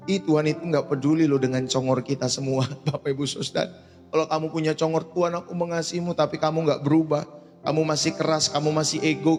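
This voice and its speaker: A male pastor preaching a sermon in a blunt, colloquial way, often calling out to the congregation. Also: fairly high pitch. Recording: long reverb with faint music behind.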